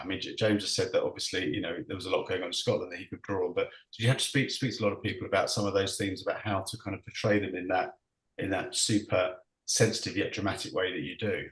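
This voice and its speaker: Over a video call with roomy echo, a man with a lowish voice hosts an online panel. He fumbles his words, repeats many of them, and laughs a lot.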